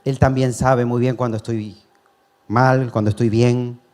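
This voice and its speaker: A man at the pulpit gives an earnest, personal testimony sermon. His voice sits at an ordinary middle pitch, and he addresses the congregation as brothers with the odd chuckle. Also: level tone, unhurried, a little mellow. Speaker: preacher.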